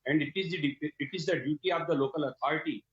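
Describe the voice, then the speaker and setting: A man answering as a party spokesperson in a live debate, halting and stammering over his words. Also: on the high side. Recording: dull, echoey remote guest line.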